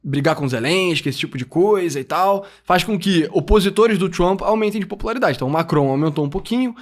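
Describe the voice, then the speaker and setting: A man's voice: high-pitched, animated, brisk. A man co-hosting a podcast, explaining political news in a loose, joking manner. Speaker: podcast co-host. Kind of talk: casual political chat.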